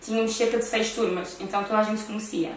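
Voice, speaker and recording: A woman's voice: mid-range voice, fairly even intonation, quick pace, a little hiss or hum. A woman with a European Portuguese accent chatting casually with a friend as a talk show host. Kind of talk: casual conversation between friends. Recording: very echoey room, distant mic.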